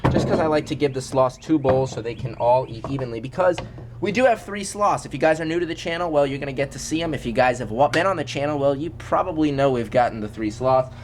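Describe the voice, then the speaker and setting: Screaming birds and monkeys fill the background as this congested young vlogger, who owns the zoo, presents energetically at the animal food station. His medium-pitched voice moves at a quick pace with lively intonation, and "guys" comes up often.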